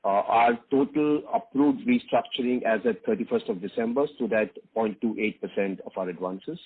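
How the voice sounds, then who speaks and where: A man with an Indian accent giving a financial briefing as a bank executive on a conference call, in a halting delivery with frequent uhs. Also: medium pitch, animated, creaky, breathy edge. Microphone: conference call line. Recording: dull, lo-fi conference call line.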